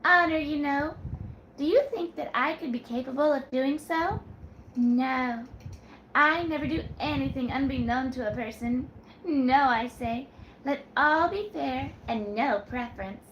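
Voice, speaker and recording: A woman's voice: a little slow, a bit bright, lo-fi sound, a little hiss or hum. A woman doing a coy, sing-song young barmaid. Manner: demure, teasing, high and sing-song. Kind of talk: read-aloud storytelling. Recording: roomy echo.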